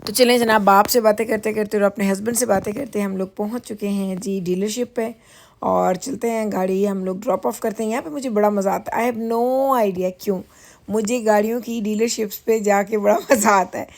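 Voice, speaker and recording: A woman's voice: mid-range voice, fairly even intonation, brisk, vocal fry, a little mellow. A middle-aged woman from Pakistan chatting casually in a vlog, rambling and laughing easily as she drives and waits. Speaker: vlogger. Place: car while driving, then dealership lounge.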